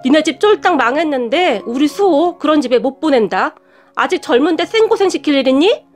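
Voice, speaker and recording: A woman's voice: high voice, animated, brisk. A woman voicing her ex-boyfriend's cold, scornful middle-aged mother in a read-aloud story, scolding and talking down. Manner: sharp, scolding, talks down.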